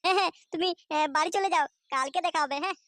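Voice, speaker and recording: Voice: extremely high pitch, racing, pushed and bright, dry recording. An actor voicing a wary but easily tempted young boy, the sidekick in a comedy cartoon. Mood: eager, teasing. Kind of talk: comic cartoon dialogue.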